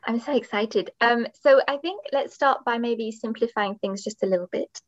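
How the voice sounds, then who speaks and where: A woman hosts a podcast in a conversational way, with a fairly high voice. The recording is very dry and slightly dull, lacking top end. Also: normal speed, dry recording. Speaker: podcast host. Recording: dull, band-limited dry microphone sound.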